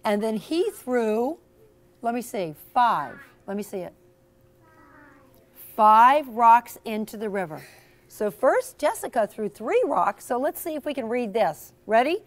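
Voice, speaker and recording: Slow, animated woman storyteller for children. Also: fairly high pitch. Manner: encouraging, teacherly, theatrical emphasis. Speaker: storyteller and author. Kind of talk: interactive read-aloud to young children. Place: in front of a class of children.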